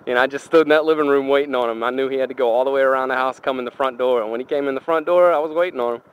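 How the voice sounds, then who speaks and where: Through a helmet mic, with engine, road and traffic noise in the background, a motorcycle vlogger rattles off a rambling, profane, colloquial story about himself while he rides. He talks rapid-fire in a clean, mid-range voice, and the audio sounds narrow and tinny.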